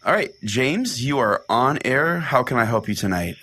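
A man's voice: medium pitch, animated, normal speed, sharp tone. A man playing an earnest, easily exasperated pastor who hosts a parody Christian call-in radio show.

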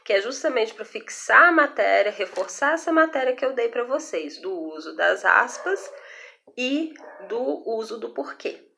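A woman's voice: a little high, lively intonation, measured pace, creaky, bright, forceful tone, a little hiss or hum. A young Brazilian woman teacher explaining a grammar lesson in a recorded video, patiently and with frequent check-ins to her students. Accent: Brazilian Portuguese. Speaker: Portuguese teacher.

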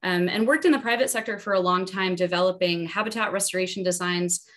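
Female panelist, 40s, American, slightly low voice, explanatory delivery, home video call. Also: fast talker, a bit bright. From New Jersey, US. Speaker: panelist, environmental scientist. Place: bedroom at home, indoors. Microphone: laptop video call.

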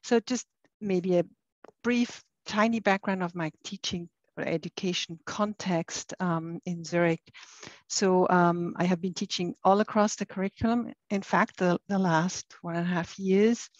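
A woman's voice: on the low side, fairly even intonation, measured pace, dry recording. Swiss-accented woman on a dull video call. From Switzerland. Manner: earnest, restarts phrases often. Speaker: university lecturer. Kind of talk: panel presentation. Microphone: laptop webcam on a video call.

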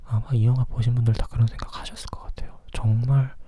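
A person whispering softly and closely in a chatty ASMR style, like a reviewer sharing thoughts. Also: medium pitch, little pitch movement, fast talker. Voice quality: breathy, husky whisper. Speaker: film review vlogger.

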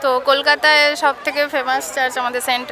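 A young woman with a Bengali accent, a mother answering a street interviewer haltingly with many fillers. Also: high-pitched, flat delivery. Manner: halting, fills with "mane". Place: crowded churchyard outdoors. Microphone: reporter's handheld mic. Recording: clear crowd noise outdoors.

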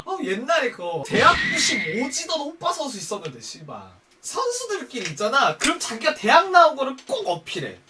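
A young man telling a funny work story in a campy, profane and animated way. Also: extremely high pitch, a little fast, hardly any pauses, recorded from a distance, loud music behind the voice. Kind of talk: casual comic storytelling.

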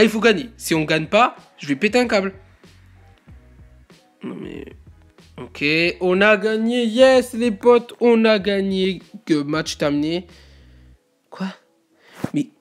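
A young man giving excitable gameplay commentary, muttering one moment and yelling in frustration the next. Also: fairly high pitch. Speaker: gaming YouTuber.

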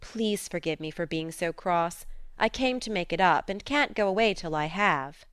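A woman's voice: lowish voice, animated, moderate pace, a bit bright, clean tone, dry recording. A woman voicing a spirited, sensible teenage girl in a storybook, coaxing and frank. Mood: meek, coaxing. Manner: soothing, frank. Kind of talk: storybook character dialogue.

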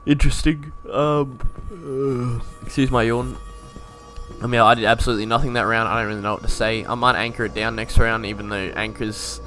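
A man's voice: lowish voice, level tone, quick pace, sharp tone, faint music behind. A young man giving casual gameplay commentary as a video creator, laid-back, thinking aloud and swearing now and then. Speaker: gaming YouTuber.

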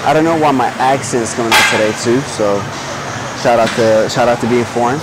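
A young man giving casual, halting vlog commentary while lifting weights in a noisy gym. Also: mid-range voice. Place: indoor warehouse-style gym. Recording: clear gym noise, mic'd up.

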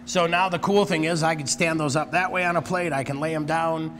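A man's voice: fairly high pitch, steady tone, a little fast, fairly bright tone, in a large hall, slight background noise. A man in his forties co-hosting a cooking segment, chatting eagerly and chiming in with reactions. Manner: enthusiastic, interjecting reactions. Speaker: co-host chef. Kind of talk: casual chat. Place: studio kitchen.

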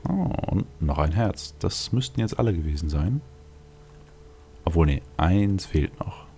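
A man's voice: low-pitched, lively intonation, measured pace, mellow, a little hiss or hum. A man hosting a let's play with casual game commentary, thinking aloud with wry, dry asides. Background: game music.

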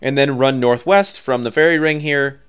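A man talks through a game walkthrough step by step. His voice is clear and mid-pitched, and his manner is informal and conversational. Faint music plays behind him. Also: normal speed, a bit bright. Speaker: video game guide creator.

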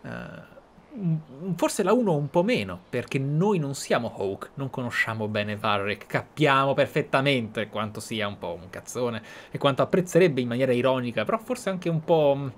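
A man's voice: medium pitch, lively intonation, moderate pace. A man giving casual, musing commentary as he plays a game, thinking aloud. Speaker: gameplay streamer.

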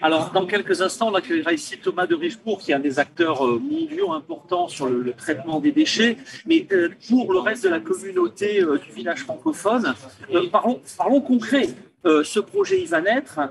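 Animated host, distant mic over crowd chatter. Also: male voice, extremely high pitch, a little fast, creaky. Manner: animated, gesturing, many restarts. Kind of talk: interview hosting. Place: small booth with padded walls.

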